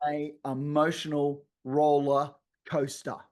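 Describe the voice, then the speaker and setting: An Australian man hosting a sports podcast, hoarse after losing part of his voice, introducing the show like an announcer. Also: on the high side, flat delivery, slow, darkish tone. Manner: showman-style announcer intro, lots of yeah. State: hoarse, voice partly lost. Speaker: podcast host. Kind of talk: casual sports chat.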